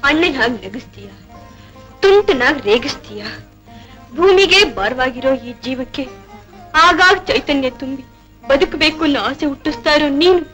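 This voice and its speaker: A tearful young wife. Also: female voice, sits high, lively intonation, moderate pace, long pauses, fairly bright tone, faint music behind, poor audio. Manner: tearful, emotional pleading. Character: grieving young wife, emotional and quick to tears. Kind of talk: 1970s film acting.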